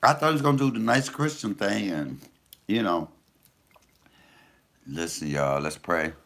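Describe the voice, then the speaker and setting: A middle-aged man with a deep voice, a comedian chatting casually and profanely with viewers on a livestream. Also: unhurried, gravelly. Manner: animated, loose and profane storytelling.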